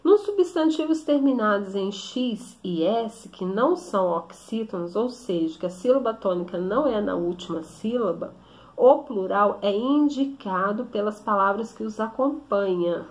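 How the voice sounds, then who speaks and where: A woman teacher explaining a grammar lesson slowly, often stopping to check with her students. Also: medium pitch, expressive. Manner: slow, explanatory, with frequent check-in questions. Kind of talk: recorded classroom lesson. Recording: echoey room.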